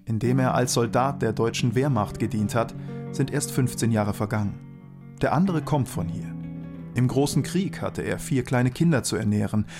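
A man from Germany narrating a radio documentary in a calm, reflective way. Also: medium pitch. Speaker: author and narrator. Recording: narration over guitar music.

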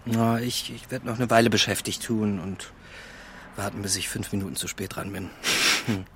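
A man's voice: on the low side, steady tone, moderate pace, a bit bright, slight background noise, lightly acted. A man playing a bashful charming guy. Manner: bashful, chuckling, rambling. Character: charming young man, awkward and self-deprecating. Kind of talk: radio drama acting.

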